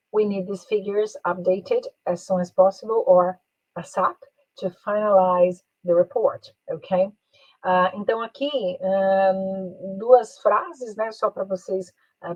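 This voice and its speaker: A woman's voice: medium pitch, fairly even intonation, slow, a little mellow, no room sound, highs cut off. A woman with a Brazilian Portuguese accent, an English teacher giving an online master class in a chatty manner, often tagging her sentences with a question and slipping into English. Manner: chatty, peppers speech with "né?", switches into English.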